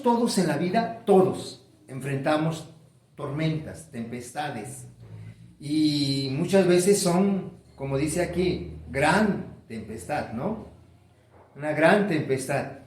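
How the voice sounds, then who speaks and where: A man's voice: fairly high pitch, animated, a little mellow, echoey room. A man preaching a sermon, stretching key words and building emphasis. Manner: preaching with rising emphasis and drawn-out stresses. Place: church sanctuary.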